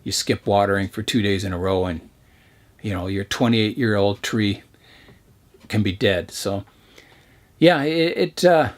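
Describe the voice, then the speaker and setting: A man talking earnestly about his hobby, hesitant, with many pauses and restarts. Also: fairly low pitch. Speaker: bonsai hobbyist. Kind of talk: casual reflective talk.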